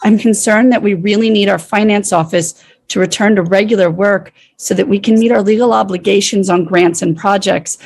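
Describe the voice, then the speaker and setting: A woman's voice: mid-range voice, steady tone, moderate pace, creaky, darkish tone. A woman from the city staff speaking at a council meeting with a scratchy voice, concerned and defensive. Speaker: municipal staff member.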